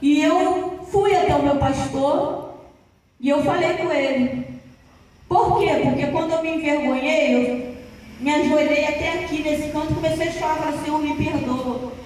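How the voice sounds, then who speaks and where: High-voiced woman preaching in an echoey church. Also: moderate pace, darkish tone. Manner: conversational storytelling preaching, addresses listeners by name. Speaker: pastor. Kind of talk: sermon. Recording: echoey church hall, distant mic.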